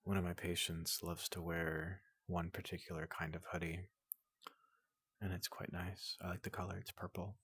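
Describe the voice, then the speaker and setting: A man voicing a tall, gentle robot doctor in soft ASMR roleplay, hesitant and politely clinical, often slipping into a whisper, close to the microphone. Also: deep voice, little pitch movement, moderate pace, dry recording, full character voice. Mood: gently curious. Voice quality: breathy, gravelly, often dropping into whisper.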